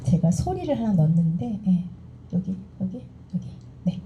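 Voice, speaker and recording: A middle-aged woman giving a motivational seminar talk, animated and acting out the dialogue she recounts to the audience. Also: medium pitch, moderate pace, muffled recording, slight background noise. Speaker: seminar speaker.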